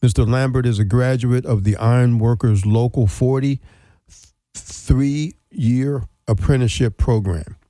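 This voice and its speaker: A man's voice: mid-range voice, a little slow, warm tone, no echo. A man hosting a talk show, reading out event announcements and a guest's bio before asking questions. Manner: reads announcements and bio from a script. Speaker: host.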